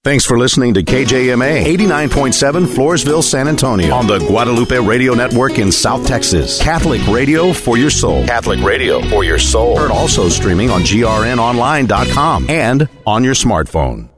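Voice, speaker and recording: A man giving a station identification in a smooth announcer manner. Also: medium pitch, expressive, a little fast, hardly any pauses, loud music behind the voice.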